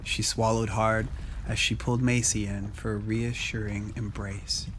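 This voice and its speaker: A man's voice: fairly low pitch, little pitch movement, unhurried, a bit bright, a little hiss or hum, low-quality recording. A man narrating a scripted dramatic story.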